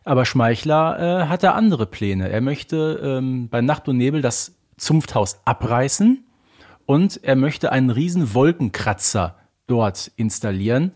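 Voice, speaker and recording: A man's voice: mid-range voice, lively intonation, measured pace, a little mellow. A man co-hosting a podcast in a conversational, explanatory way, often posing rhetorical questions. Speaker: podcast co-host.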